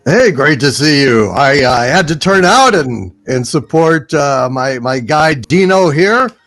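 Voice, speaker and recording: Halting, rambling man in casual chat. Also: fairly high pitch, animated, a bit bright, faint music behind. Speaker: guest, voice actor.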